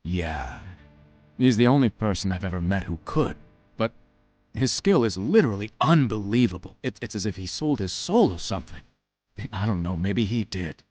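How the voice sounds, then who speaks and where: An actor playing a weary, guarded war veteran in an audio drama, speaking haltingly with understatement. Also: male voice, low-pitched, slightly rough, no room sound. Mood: somber, reluctant.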